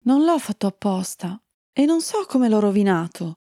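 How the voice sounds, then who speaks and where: A woman voicing a shy, frightened young male black unicorn in a children's story, speaking softly and hesitantly. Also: very animated, moderate pace, no room sound, studio quality, close to an everyday voice. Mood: timid. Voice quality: soft, low-spoken. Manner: hesitant, trembling.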